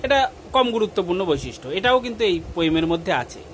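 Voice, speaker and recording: A male teacher giving an exam-prep literature lesson, slowly dictating answers in English and explaining them in Bengali. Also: sits high, sing-song, fairly bright tone, slight background noise.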